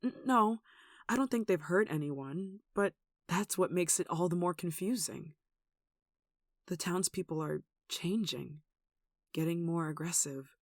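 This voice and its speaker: Performer acting out a gentle, soft-spoken nun, dry close sound. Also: medium pitch, a little slow, dry recording, natural voice. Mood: worried, somber. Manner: tender, soothing, wistful, with sighs and soft chuckles. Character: gentle, protective young nun caring for a sick demon. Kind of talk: ASMR roleplay, soft intimate acting.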